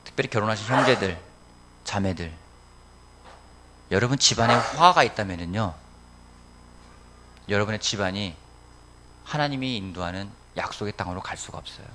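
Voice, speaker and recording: A man's voice: fairly low pitch, normal speed, pauses often, noisy background. A male pastor preaching a sermon, often asking the congregation questions and answering them himself. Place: church sanctuary.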